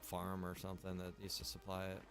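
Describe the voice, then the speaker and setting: An American man with a fairly low voice streams a video game and chats as he plays. His talk is loose and rambling, full of slang and the odd mild swear word. Music plays clearly behind him. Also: monotone, a little fast. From Pennsylvania, United States. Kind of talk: casual gameplay chat.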